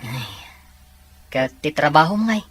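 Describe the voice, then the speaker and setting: A woman voicing a supportive, inquisitive young male buddy with a husky voice in an amateur audio drama. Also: deep voice, sing-song, measured pace, dry recording, heavily acted. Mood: concerned, accepting.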